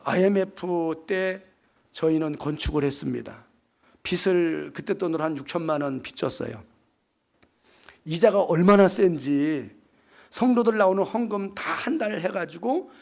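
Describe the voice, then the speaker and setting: A man's voice: a little high, creaky, darkish tone. A male pastor in his fifties preaching an evening sermon, asking the congregation rhetorical questions and acting out quotes.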